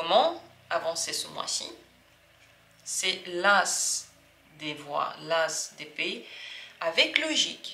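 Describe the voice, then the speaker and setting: A woman speaks in a calm, soothing tone, with audible room echo and noticeable background noise. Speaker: tarot reader. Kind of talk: tarot reading video.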